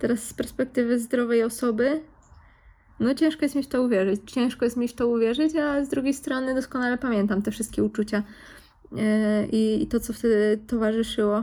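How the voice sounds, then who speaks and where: The tone is dark and mellow with fairly even intonation, in a very clean recording with a silent background. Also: woman, high pitch for a woman. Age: 20s. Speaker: podcaster and influencer. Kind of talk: personal monologue. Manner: casual with hesitations.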